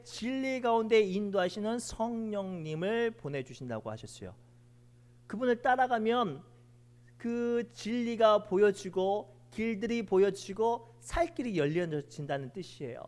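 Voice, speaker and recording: A male pastor preaching a midweek sermon with emphatic delivery, weaving a story into the message. His voice sits fairly high for a man.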